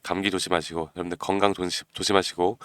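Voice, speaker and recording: A man hosting a stock market channel, talking persuasively to viewers and often clearing his throat because of a cold. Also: low-pitched, level tone, fast talker, fairly bright tone, no room sound, clean studio sound. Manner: persuasive, keeps asking viewers "you know?". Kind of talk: stock analysis talk to viewers.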